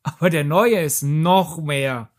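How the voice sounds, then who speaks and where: A podcast co-host of medium pitch in a casual film discussion, talking in a rambling, analytical way. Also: takes it slowly. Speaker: podcast co-host reviewing films.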